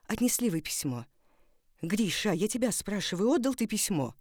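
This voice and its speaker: A woman's voice: medium pitch, very animated, moderate pace, no room sound, studio quality. A woman reading a story as an exhausted, anxious poor mother who speaks abruptly and impatiently. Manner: abrupt, questioning. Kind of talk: dramatic literary reading.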